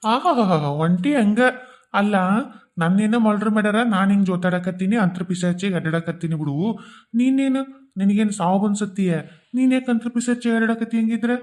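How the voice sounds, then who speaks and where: A man plays a hanged male ghost in a cartoon, wailing and complaining in a high-pitched voice with a North Karnataka Kannada accent. He sounds like a heartbroken husband lamenting his fate. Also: a little fast, a little mellow, natural voice. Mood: grieving. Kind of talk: cartoon voice acting.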